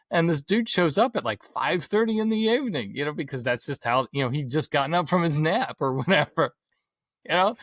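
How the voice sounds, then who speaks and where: A man's voice: mid-range voice, a bit bright, no echo, studio quality. A middle-aged man hosting an interview podcast, asking questions and sharing his own stories. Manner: engaged, shares own anecdotes. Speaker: podcast host.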